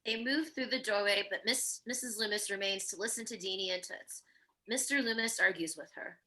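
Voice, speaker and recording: Female narrator, bright tone, scripted screenplay reading, medium pitch. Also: fairly quick, rough recording. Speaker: narrator reading stage directions.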